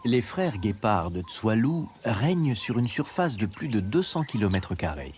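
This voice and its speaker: A man's voice: fairly low pitch, very animated, unhurried, darkish tone, slight background noise. A man reading scripted narration for a nature documentary, with music behind him. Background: background music.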